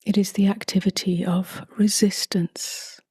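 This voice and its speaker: A woman leading a guided meditation in a soft, breathy half-whisper, with calm, gently spaced phrases. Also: medium pitch, unhurried, dry recording, clean studio sound. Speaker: meditation teacher.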